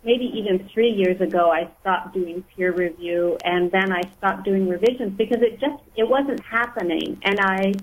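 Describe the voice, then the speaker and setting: A woman's voice: medium pitch, moderate pace, few pauses, muffled recording. A woman speaks as a guest on a radio show in a radio studio. She talks casually about teaching, starting and restarting her sentences as she works out her thoughts. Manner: hesitant, restarts sentences often. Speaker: author and writing instructor, guest. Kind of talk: casual radio interview talk.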